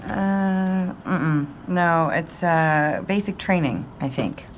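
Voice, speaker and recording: A woman's voice: lowish voice, slow. An actress playing a wry, slightly weary middle-aged mother in casual, naturalistic audio drama dialogue. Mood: weary, distracted. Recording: noisy field-tape sound with clicks.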